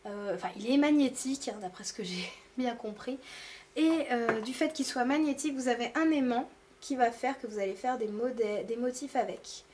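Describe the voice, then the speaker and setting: A woman's voice: fairly high pitch, moderate pace, darkish tone, a little hiss or hum. A woman chatting casually to camera about beauty products, hesitant and full of fillers. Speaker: beauty vlogger. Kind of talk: casual product haul talk.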